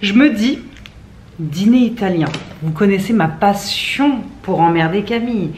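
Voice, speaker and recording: A young woman in her twenties talks casually to camera from her home, chatty and playful, teasing and poking fun at herself. Her voice sits at an ordinary middle pitch. Faint noise hums in the background. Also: expressive, a little slow, a little mellow. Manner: chatty, playful, self-mocking. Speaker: vlogger. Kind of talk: casual vlog chat to camera. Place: at home indoors.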